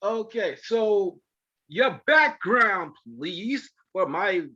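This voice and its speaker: Effusive man hosting, bright lo-fi sound. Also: high-pitched, expressive, extremely slow, husky. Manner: effusive, affectionate, rambling. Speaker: podcast host. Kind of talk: casual interview chat.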